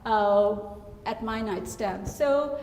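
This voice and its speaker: A woman's voice: medium pitch, darkish tone, a little hiss or hum. Pakistani-accented woman in an echoey gallery. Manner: reflective, halting with frequent fillers. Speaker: artist. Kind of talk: gallery talk. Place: gallery hall.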